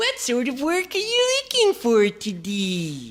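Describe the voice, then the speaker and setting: In a put-on character voice, a woman speaks high and cheerful. Her pace is fairly slow. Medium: actual play. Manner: perky, cheerful.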